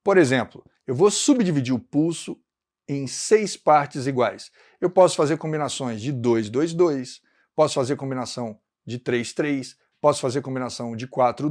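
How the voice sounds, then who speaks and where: A man's voice: medium pitch, darkish tone. A Brazilian man with a Brazilian Portuguese accent, teaching an online music lesson and explaining rhythm step by step. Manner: explanatory, chants rhythm syllables.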